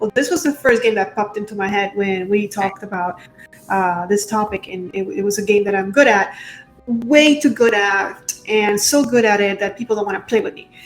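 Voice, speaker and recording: Music plays behind a woman with a non-native accent. Her pitch is medium, with ordinary variation, and her pace fairly quick. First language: not English. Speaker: board game video host. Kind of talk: casual chat.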